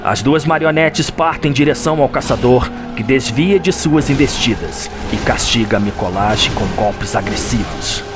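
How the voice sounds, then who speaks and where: A man with a Brazilian accent, giving dramatic scripted narration of a fantasy game story. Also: medium pitch. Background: music.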